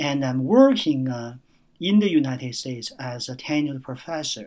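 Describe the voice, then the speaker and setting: In a Chinese accent, a man speaks with lively intonation. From China. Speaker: historian, book author. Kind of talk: interview. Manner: halting, many fillers.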